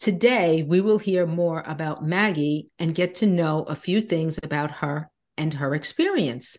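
With an American accent, a woman speaks in an ordinary speaking voice at a fairly low pitch, keeping a fairly slow pace and ordinary pitch variation against a quiet background. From New York. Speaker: life and wellness coach, podcast host. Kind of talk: interview conversation.

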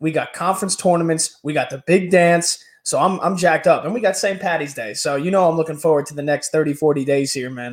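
A man's put-on character voice, high-pitched and raspy, energetic and fairly quick, with a slight country accent. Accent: slight country twang. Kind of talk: casual sports talk. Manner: energetic, jacked up.

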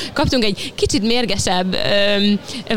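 Noticeable background noise sits behind a woman's voice. She speaks at a medium pitch with fairly even intonation. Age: 20s. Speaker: tech startup founder. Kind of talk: interview. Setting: conference venue.

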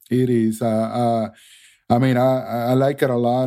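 On a very clean recording with a silent background, the speaker's tone sounds dark and mellow. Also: man. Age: 50s. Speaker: program member, operations director and army reservist. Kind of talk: interview. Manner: halting, many repetitions and fillers.

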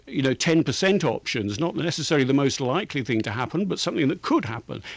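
A man with an English accent speaks at a fairly high pitch, his lively intonation edged with vocal fry. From England. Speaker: science journalist. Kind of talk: interview.

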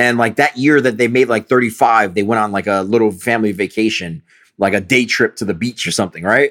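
In a very clean recording with a silent background and a dry, close sound with no echo, a man talks at a very fast pace with medium pitch and ordinary pitch variation. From US Northeast, Bridgeport, Connecticut. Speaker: venture capitalist and entrepreneur. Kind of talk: interview conversation. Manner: frequent fillers and repetitions.

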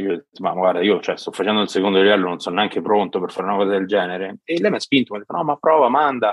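In a strong Roman accent, a man talks at a very fast pace with hardly any pauses. His pitch is fairly low and his intonation lively. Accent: Roman accent, still strong. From Rome, Italy. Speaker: wine importer and distributor. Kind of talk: interview.

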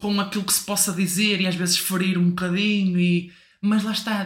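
Audible room echo around a woman, her pitch varying in an ordinary way. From northern Portugal, Famalicão. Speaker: volleyball player and physiotherapist. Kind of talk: casual interview.

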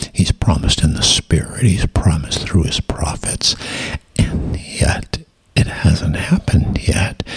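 Someone whispers at a fairly slow pace with an American accent over noticeable background noise. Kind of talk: interview about faith. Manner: soft-spoken, close to the mic.

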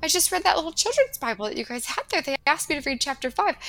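A woman with an American accent talks at a very fast pace in a high voice. Her raised, projected voice has a bright, sharp tone. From California. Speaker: podcast co-host. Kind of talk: casual chat. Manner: animated.

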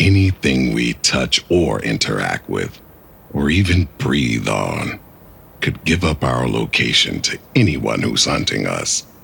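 The man's pitch is very deep and low, and his voice is raspy. He talks at a fairly slow pace with lively intonation. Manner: calm, authoritative, guarded.

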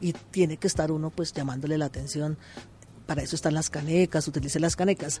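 Ordinary pitch variation marks this woman's speech, delivered at a fairly quick pace. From Colombia, Cundinamarca (rural Cogua). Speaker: science teacher. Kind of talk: radio interview. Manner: halting, with frequent repetitions.

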